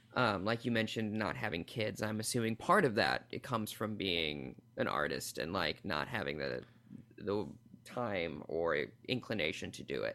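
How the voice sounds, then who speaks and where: A man speaks at a moderate pace with a fairly low pitch and a bright, sharp tone. His voice has vocal fry and very wide pitch swings. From Minnesota. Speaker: comedian. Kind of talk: casual chat.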